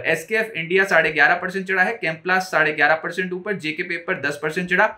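A man in his forties with an Indian accent presenting a stock market roundup, briskly and emphatically reeling off figures. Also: high voice, bright, forceful tone. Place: studio, indoors before a branded backdrop.

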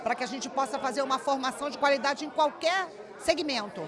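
An older woman answering an interview at an event, stressing single words slowly, with a handheld mic. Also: high voice, a crowd in the background. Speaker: interviewee, religious representative. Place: busy indoor event venue.

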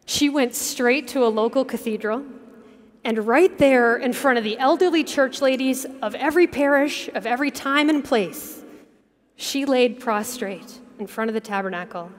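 Nun-type woman giving a big keynote, kinda high voice, slow earnest pauses, huge echoey arena. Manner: measured, earnest, with dramatic pauses and softened storytelling. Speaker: keynote speaker, religious sister. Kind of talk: inspirational keynote speech. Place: large arena stage. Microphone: headset mic at a podium. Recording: long arena reverb.

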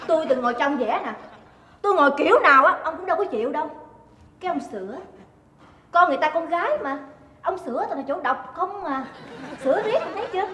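A woman's voice: lively intonation, fast, long pauses, bright, forceful tone, some chatter behind. An actress with a Southern Vietnamese accent playing a middle-aged jealous wife who scolds and mocks her husband in a stage comedy. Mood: accusing. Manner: shrill, scolding, sarcastic. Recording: roomy stage hall, faint noise.

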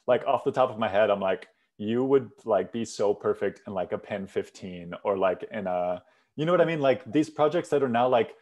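A man's voice: on the low side, animated, normal speed, darkish tone. A young man hosting an interview on a video call from his bedroom, asking rambling, thoughtful questions with lots of "like". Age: young adult. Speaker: host. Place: bedroom at home, indoors. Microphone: headset on a video call.

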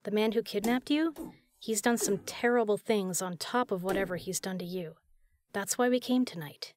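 A voice actress plays a capable, tough spy in a fan-made audio drama, lightly acted, both flirtatious and tender. She speaks at an ordinary pace in a darkish, mid-range voice. The scene feels intimate, soft, and soothing.

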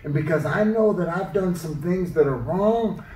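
A woman's voice: lowish voice, moderate pace, darkish tone, close to an everyday voice. A woman voicing an eager, naive male puppet pupil who responds with wide-eyed earnestness in a children's puppet show. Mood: eager, earnest. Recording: roomy echo, distant microphone.

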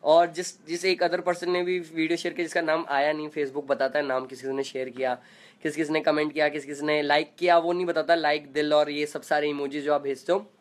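Fast-talking man with a high voice. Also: little pitch movement. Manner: fast, non-stop chatter; playful, joking. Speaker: singer hosting a live chat. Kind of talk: casual live video chat reading comments.

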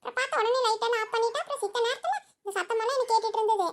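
Brief: a woman doing a squeaky, rapid-fire cartoon village gossip, nosy and insistent. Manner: breathless rapid gossiping, chuckling asides. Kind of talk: cartoon voice acting.

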